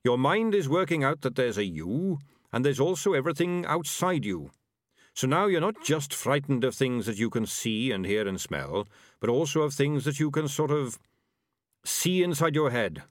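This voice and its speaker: A man voicing a gentle, thoughtful male rat in a storybook, speaking in a kindly, reflective and deferential way. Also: mid-range voice, sing-song, normal speed, no room sound, studio quality, pitched above the performer's own voice.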